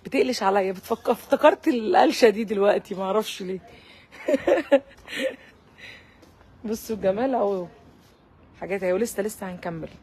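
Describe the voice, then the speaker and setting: A woman's voice: medium pitch, brisk, long pauses, a little mellow. Egyptian woman vlogging outside, playful cooing chatter, echoey and far from the mic. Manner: playful, cooing greetings to her animals. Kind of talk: casual vlog chat.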